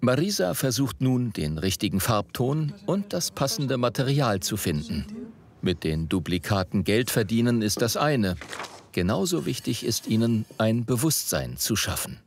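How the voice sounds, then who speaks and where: A man reading scripted voice-over narration for a TV report in a measured, even way. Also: mid-range voice. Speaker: documentary narrator.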